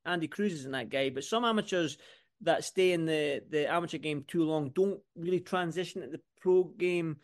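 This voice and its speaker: Man, Scottish accent, high-pitched, rambling, repetitive emphasis, casual sports podcast chat. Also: normal speed. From Scotland. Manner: rambling, repeats phrases for emphasis. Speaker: boxing podcast co-host.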